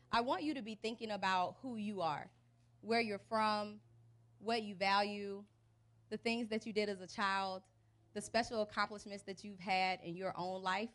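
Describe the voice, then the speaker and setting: Young American woman, medium pitch, casual colloquial talk, chatty presenter, handheld microphone at an outdoor event. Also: a bit bright. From United States (Birmingham, Alabama and Cleveland, Ohio). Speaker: teacher coach giving a talk. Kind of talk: informal presentation to a live audience. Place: outdoors under a large event tent. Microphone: handheld mic through PA speakers.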